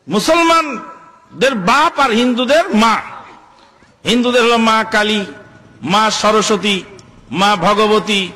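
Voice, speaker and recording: A man's voice: high voice, pushed and bright. A man preaching a sermon, asking his listeners rhetorical questions and repeating key phrases. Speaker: Islamic preacher.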